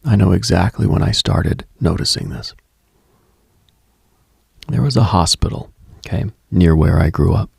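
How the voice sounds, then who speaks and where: A man hosting late-night radio, delivering a slow, atmospheric monologue in a hushed, deliberate, husky voice that slips toward a whisper. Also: sits low, dry recording, clean studio sound. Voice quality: gravelly, husky, breaking into whisper. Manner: hushed, deliberate, storytelling with pauses.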